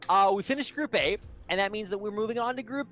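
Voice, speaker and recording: A man casts an esports match live, chatty and upbeat, with plenty of casual fillers, his voice sitting high, quick, and fairly bright over soft background music. He's a native English speaker who also speaks Spanish as a second language.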